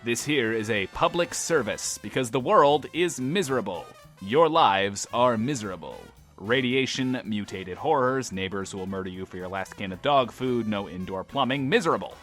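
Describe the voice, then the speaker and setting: A man's voice: medium pitch, lively intonation, moderate pace, fairly bright tone, natural voice. Man playing a smug wasteland radio DJ, music behind. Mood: brash, grandstanding. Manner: smug, theatrical, wry, refers to himself by name. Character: brash, self-loving radio DJ of a post-apocalyptic wasteland. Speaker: radio host. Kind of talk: in-world radio show monologue, showman patter.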